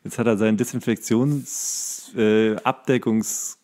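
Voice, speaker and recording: A man's voice: lowish voice, fairly even intonation, slow pace, darkish tone. Man in joking, rambling podcast chat. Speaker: podcast co-host. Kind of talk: casual comedic chat.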